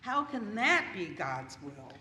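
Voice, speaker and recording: Woman acting an insistent squabbler, sharp voice. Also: fairly low pitch, big pitch swings, takes it slowly, exaggerated voice. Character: insistent, contrary squabbler in a church skit. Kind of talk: amateur readers' theater. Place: church sanctuary during a live service. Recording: faint, distant voice in echoey hall.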